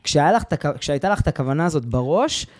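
A man's voice: fairly high pitch, lively intonation. A man, talking casually as a podcast host and interviewer.

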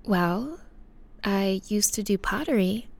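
A woman's voice: medium pitch, lively intonation, gravelly, heavily acted. An actress playing a struggling mother who calls for housing help, speaking hesitantly. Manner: hesitant, halting, unsure. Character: struggling hesitant adult mother behind on rent. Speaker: caller.

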